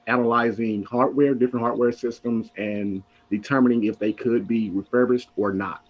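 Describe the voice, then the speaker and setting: A young man in his twenties giving an earnest self-introduction for a mock IT job interview, with frequent filler sounds. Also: fairly low pitch. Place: home room on video call. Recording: muffled video call audio.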